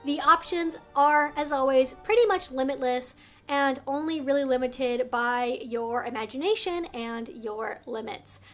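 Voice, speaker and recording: A woman with a noticeably high voice presents an explainer vlog. She addresses her viewers directly in careful, emphatic phrases. Soft music plays faintly behind her. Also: measured pace. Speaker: video host and educator.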